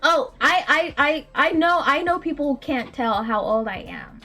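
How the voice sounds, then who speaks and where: A woman in her late twenties with a very high, small voice, telling a story in a casual chat full of laughs and fillers. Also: a little slow, faint music behind. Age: late 20s. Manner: animated, laughs often, frequent likes and ums. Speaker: indie game developer and streamer.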